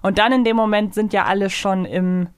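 A woman's voice: medium pitch, fairly even intonation, a little fast, smooth, no echo. Woman discussing earnestly, dry close sound. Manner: earnest, argues her point, self-correcting. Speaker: podcast co-host. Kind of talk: casual analytical review chat.

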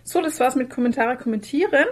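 A woman co-hosting a podcast in casual, chatty, expressive conversation. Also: high voice, a little fast. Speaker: podcast co-host.

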